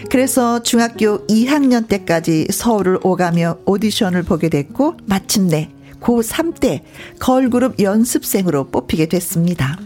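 A woman narrating a life story in measured, scripted form. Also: medium pitch, warm tone.

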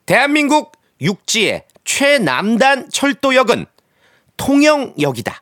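Animated male quizmaster, game show host style. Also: very high-pitched, unhurried, no room sound, clean studio sound. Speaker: radio quiz co-host and question reader.

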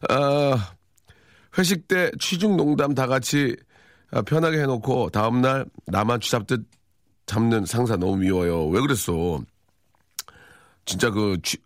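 A man in his forties hosting a live radio show, reading listener messages with dry, teasing deadpan humor. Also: medium pitch, no echo. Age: 40s. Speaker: radio host. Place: radio studio. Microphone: studio microphone.

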